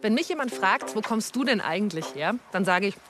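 A woman's voice: mid-range voice, animated, brisk, loud music behind the voice. A woman from Augsburg, a reporter presenting a documentary and asking curious, friendly questions. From Germany, Augsburg.

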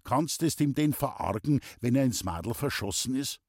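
A man reading an audiobook, voicing a gruff older pipe-smoking man in a Bavarian accent, blunt and grumbling. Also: mid-range voice, lively intonation, moderate pace, a little mellow, no echo, studio quality.

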